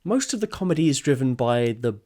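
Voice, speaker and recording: A man's voice: medium pitch, very animated, a little fast. A young man narrating a scripted video essay in an enthusiastic, wry, conversational way. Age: young adult. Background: background music.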